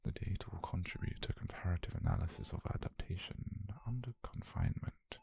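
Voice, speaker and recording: Deep, gravelly, whispering British scientist played by a man. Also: wildly swooping pitch, exaggerated voice. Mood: hushed, controlling. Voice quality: breathy, gravelly low murmur. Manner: measured, clinical, softly controlling, taking notes aloud. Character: detached, clinical male scientist holding a captive test subject. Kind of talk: whispered ASMR roleplay.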